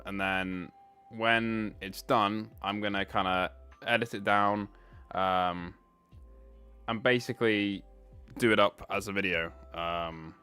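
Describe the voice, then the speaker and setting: A man's voice: fairly low pitch, a bit bright, clean tone. A man hosting a casual live stream, rambling as he sorts out camera trouble. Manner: rambling, fixing tech while talking.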